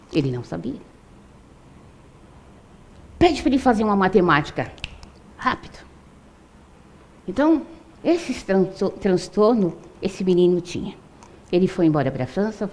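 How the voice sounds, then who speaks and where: A woman's voice: lowish voice, a little mellow. An older woman telling a true story to an audience in a conversational way, with frequent tag questions.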